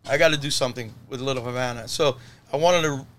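A man's voice: mid-range voice, fast, a bit bright. A man who is a guest on a podcast and runs a cigar business, chatting casually, repeating himself and swearing offhandedly. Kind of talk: casual chat.

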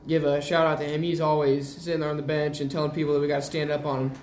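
A man's voice: fairly high pitch, little pitch movement, fast talker, a little mellow. A teenage young man giving casual, modest, plain-spoken interview answers as a basketball player. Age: teens. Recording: roomy, echoing, faint noise.

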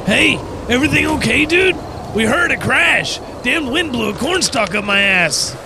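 A man's voice: very high-pitched, lively intonation, moderate pace, gravelly, background noise, full character voice. A man playing a crude, boisterous young dude in an audio drama. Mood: concerned, crude.

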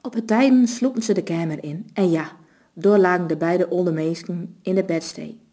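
A woman with a Low reading a story aloud in a steady, even narrating voice. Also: moderate pace.

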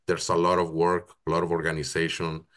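Low-pitched man, interview guest, halting and thoughtful delivery. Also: monotone, a bit bright. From Mexico. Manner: searching for words, many pauses and restarts. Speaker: football operations project manager, guest. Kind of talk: casual interview answers.

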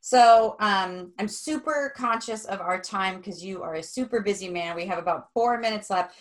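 A woman's voice: mid-range voice, moderate pace. A woman hosting an interview, casual and affirming, often chiming in to agree. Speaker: interview host.

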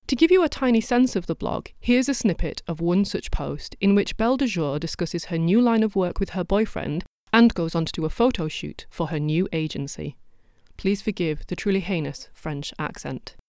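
A woman's voice: fairly low pitch, darkish tone, no room sound. A woman hosting a podcast, delivering scripted documentary narration with dry, wry asides. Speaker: podcast host.

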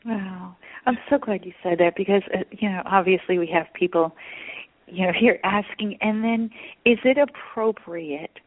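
A woman's voice: mid-range voice, normal speed, no room sound. A woman hosting an interview, enthusiastic and effusive as she asks her questions, heard over a phone-like line. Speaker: host. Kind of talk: radio interview.

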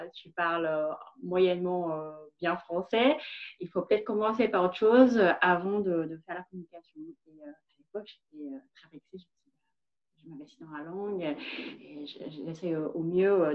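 Female podcast guest, 30s, Vietnamese accent, lower register, halting delivery full of fillers, muffled lo-fi sound. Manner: hesitant, many fillers and restarts. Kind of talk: personal story in a podcast interview. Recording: dull lo-fi recording.

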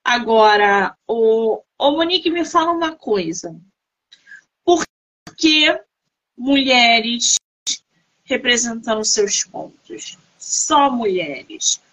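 A Brazilian woman interviewer with a bright, forceful voice pitched a little high. She speaks casually but with emphasis, in short phrases at an unhurried pace, addressing the guest directly. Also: animated, rough recording. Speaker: interviewer, host.

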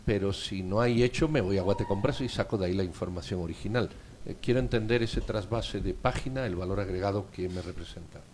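A man's voice: on the low side, brisk, darkish tone. A man co-hosting a radio interview who asks probing, insistent questions. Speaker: radio co-host.

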